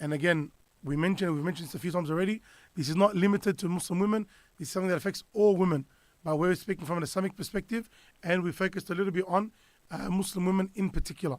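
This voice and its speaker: A very fast man's voice, high in pitch, with fairly even intonation. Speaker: Islamic teacher. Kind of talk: religious lecture.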